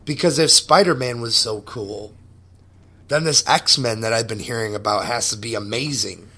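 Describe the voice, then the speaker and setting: A young man hosting a podcast, casually telling a story with excited, profane enthusiasm. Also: mid-range voice, normal speed, slightly rough. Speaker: podcast host.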